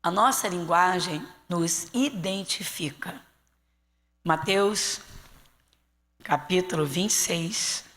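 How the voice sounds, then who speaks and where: A woman pastor from Brazil with a Rio de Janeiro accent, teaching a Bible class in an animated preaching manner and slowing down to read scripture aloud. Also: lowish voice. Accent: Rio de Janeiro Portuguese. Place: church hall. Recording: long hall reverb.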